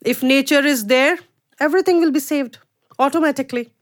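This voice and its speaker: A middle-aged woman from India whose first language is Urdu, a guest artist talking in a casual interview, halting with many fillers and restarts. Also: high-pitched.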